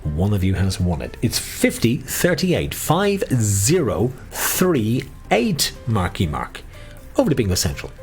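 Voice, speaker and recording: A man's voice: fairly low pitch, huge pitch swings, a little slow, few pauses, darkish tone, soft background music. A middle-aged Irish man working as a bingo caller, calling numbers in a sing-song way with repeats and mixing in casual chat.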